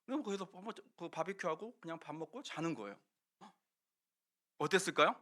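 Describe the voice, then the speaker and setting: A male pastor telling a Bible story in an animated, playful way during a Sunday service, acting out the soldiers and getting the congregation to shout along. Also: a little high, moderate pace. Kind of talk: lively children's sermon storytelling. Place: church sanctuary.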